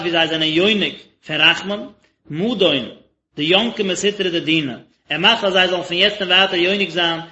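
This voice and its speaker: Male rabbi, text-study lesson, explains in short bursts; very bright, piercing tone, lo-fi recording. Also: sits high. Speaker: rabbi teaching a daily lesson. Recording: echoey, dull lo-fi recording.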